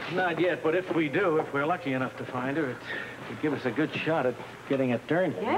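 A man speaks at a very fast pace amid noticeable background noise. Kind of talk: scripted drama dialogue. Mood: confident, confidential. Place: studio.

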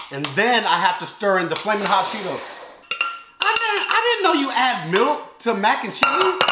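A man keeps a moderate pace despite loud noise in the background. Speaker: food vlogger. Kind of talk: casual vlog chat. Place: kitchen. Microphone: camera far.

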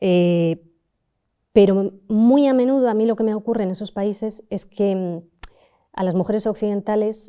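A woman speaks at a fairly slow pace with a medium pitch, a dark, mellow tone and ordinary pitch variation against a quiet background. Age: 40s. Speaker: journalist, war reporter. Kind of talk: interview. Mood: calm, reflective, serious. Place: studio. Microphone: lapel.

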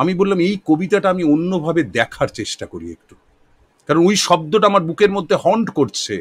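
This man's voice sits high in pitch, with ordinary pitch variation and big swings in loudness. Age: 50s. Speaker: poetry reciter. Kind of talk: casual chat. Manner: formal. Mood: reflective, earnest. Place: home room. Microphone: webcam.

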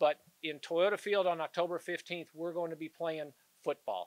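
Over a quiet background, a man speaks at a moderate pace with a high pitch and fairly even intonation, the sound dry with no echo. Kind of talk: press conference announcement. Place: hall. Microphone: podium.

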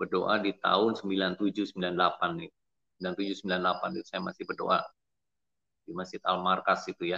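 A man speaks against a quiet background. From Indonesia, Bogor; Indonesia. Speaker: dentist sharing conversion testimony; guest. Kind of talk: testimony. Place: home room. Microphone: video call.

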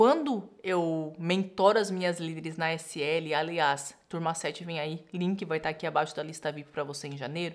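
A woman's fairly low voice at a moderate pace, with fairly even intonation and big swings in loudness. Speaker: women's mentor and podcast host; podcast host. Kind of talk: motivational monologue. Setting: studio recording on camera. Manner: direct. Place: studio. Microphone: studio mic.

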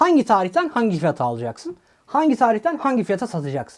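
On a very clean recording with a silent background, the speaker's tone comes across as animated. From Turkey, İzmit. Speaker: investment YouTuber. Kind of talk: educational monologue. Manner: conversational, animated.

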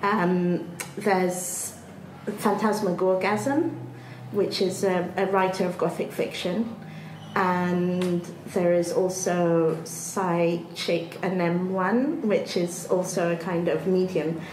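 In a room with audible echo and light background noise, a woman speaks at a very slow pace, her loudness very even and her intonation fairly even. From Goa, India (commune), later London. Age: 40s. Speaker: artist. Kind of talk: public conversation. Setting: stage with audience. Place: hall.

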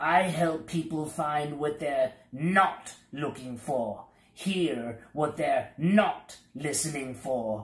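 A man puts on a cackling character voice at a fairly high pitch. He speaks at a very slow pace. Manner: cackling, gleeful.

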